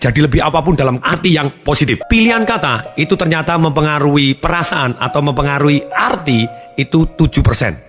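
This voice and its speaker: A male motivational speaker works a seminar crowd with emphatic delivery, and he often acts out tones of voice to demonstrate them. His voice sits at a middle pitch. The recording carries a long hall reverb over faint background music. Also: fairly bright tone.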